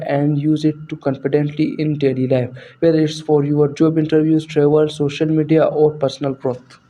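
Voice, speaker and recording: Mellow, level-toned South Asian man teaching. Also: on the high side. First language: Urdu or Hindi. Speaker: English teacher introducing an online course. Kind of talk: scripted lesson narration.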